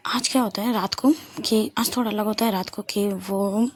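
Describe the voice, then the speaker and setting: A woman's voice: medium pitch, steady tone, normal speed, breathy edge. A young woman narrating a love story casually, often dropping to a whisper and correcting herself as she goes.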